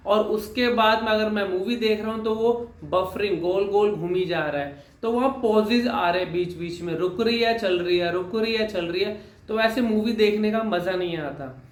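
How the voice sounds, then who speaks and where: Young male speech coach, high-pitched, explains step by step with repeated phrases; echoey room. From Haryana, India. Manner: mixes English terms into Hindi, repeats phrases for emphasis. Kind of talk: explanatory lesson talk.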